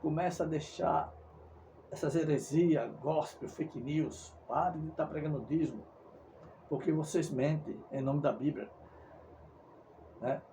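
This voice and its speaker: A man's voice: on the high side, slow pace, long pauses, warm tone, slight background noise. A Brazilian man preaching a fervent monologue, insistent and repetitive, sometimes stumbling over his words. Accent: Brazilian Portuguese. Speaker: evangelical preacher.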